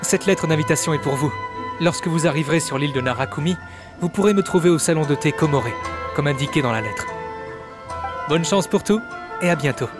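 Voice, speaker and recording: Game dub: courteous, affable young male retainer, acted by a man, lightly high-pitched, formal, articulate delivery over music. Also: a little fast, close to an everyday voice. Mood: courteous, friendly. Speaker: amateur voice actor dubbing a game character. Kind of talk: scripted game dialogue dub.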